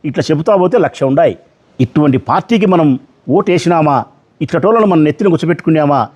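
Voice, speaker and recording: A middle-aged man delivers a political press statement. His voice sits fairly high for a man. He speaks combatively, firing off rhetorical questions. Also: a little mellow.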